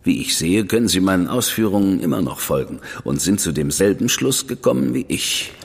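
An actor playing a cool, arrogant government official who speaks in a measured, superior, quietly threatening way. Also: male voice, low-pitched, animated, creaky, breathy edge, long reverb tail, full character voice. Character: cool, arrogant high official, man, middle-aged. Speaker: government official recruiting an investigator. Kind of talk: radio play acting.

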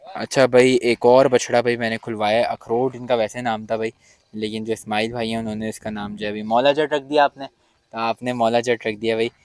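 A young man talks excitedly into a handheld mic while he walks around an outdoor cattle farm, heaping praise on the animals and repeating blessings. His voice sounds close and dry, with hardly any room sound, and sits at a middle pitch. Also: fairly quick, clear, resonant tone, no echo. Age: young adult. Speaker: vlogger host. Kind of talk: casual farm tour and interview.

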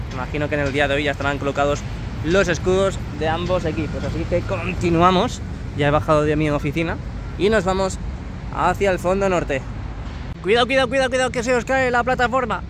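A man from Spain giving jokey, chatty commentary as he walks outdoors, filming on his phone. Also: a little high. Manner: jokey, chatty, broken English with foreigners. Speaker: vlogger. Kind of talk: casual walking commentary. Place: outdoors on a city street. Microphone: phone held by the speaker. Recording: traffic noise outdoors.

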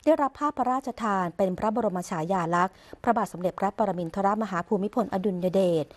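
A woman reads the royal court news as a formal broadcast voice-over. Her delivery stays measured, even and ceremonious throughout. It has the steady, scripted cadence of an official news bulletin. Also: mid-range voice. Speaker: news reader.

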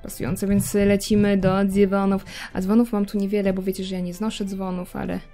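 A woman's voice: mid-range voice, completely flat delivery, brisk, warm tone, soft background music. A young woman giving casual gameplay commentary, chatting to her game characters with self-mocking asides. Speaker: gameplay video creator.

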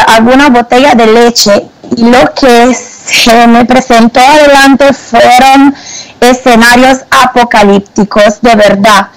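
Woman, Italian accent, Italian native, slow, smooth clear voice, hesitant, frequent fillers. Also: on the high side, rough recording. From Italy. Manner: hesitant, many fillers and restarts. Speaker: guest. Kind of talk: phone-in interview testimony.

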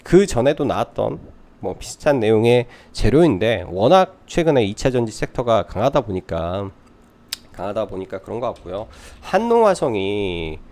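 A man's voice: lowish voice, sing-song, normal speed, a little mellow. A man giving live stock market commentary as a trading adviser, explaining things by posing questions and answering them.

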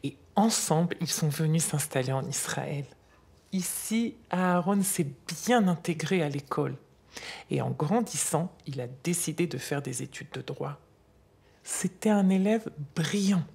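A woman's voice: low voice, lively intonation, measured pace, vocal fry, darkish tone, breathy edge, full character voice. A woman in her sixties playing a grandmother who patiently explains wartime history to her granddaughter in scripted French dialogue. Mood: earnest. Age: 60s. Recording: faint music behind.

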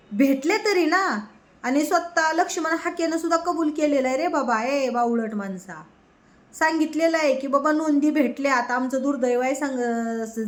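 A woman delivering a heated, mocking political rant, scolding her target. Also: high voice. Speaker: political commentator.

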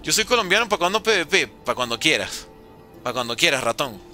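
A young man chatting jokily with his stream chat while playing, with sudden animated outbursts. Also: on the high side, fairly quick, faint music behind. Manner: jokey, reads and answers chat, animated outbursts. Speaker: gaming streamer.

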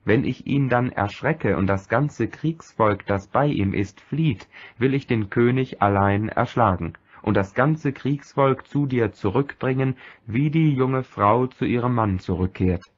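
A man's voice: mid-range voice, unhurried, few pauses, husky. A man reading the lines of a cunning royal adviser in a calculating, matter-of-fact way. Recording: dull lo-fi recording.

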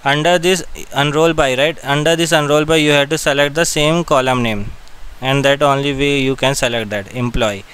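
A man with an Indian accent guides a learner through software one step at a time. His voice is smooth and clear, and he gives short, repeated instructions as he goes. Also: medium pitch, steady tone, moderate pace. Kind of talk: step-by-step screen-recording tutorial narration.

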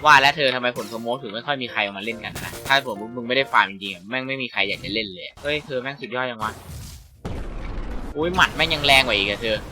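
A young man chatting casually and joking excitedly while playing a game with a friend, swearing freely. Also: mid-range voice, fast. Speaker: gaming YouTuber. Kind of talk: casual gameplay chat with a friend. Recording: faint game music behind.

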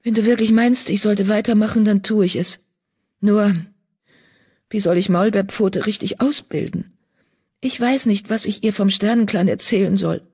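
A woman's voice: normal speed, darkish tone, slightly rough. A woman voicing an anxious, guilt-ridden young female medicine cat in an audiobook, pleading and distressed. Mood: resolved. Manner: pleading, distressed, voice raised high. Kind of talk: audiobook character voice.

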